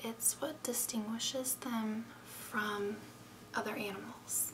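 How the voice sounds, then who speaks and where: Soft-spoken and gentle in tone, a woman talks very slowly with ordinary pitch variation amid noticeable background noise. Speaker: educator. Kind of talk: lecture. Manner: soft-spoken, gentle low-volume ASMR voice. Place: home room. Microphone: webcam.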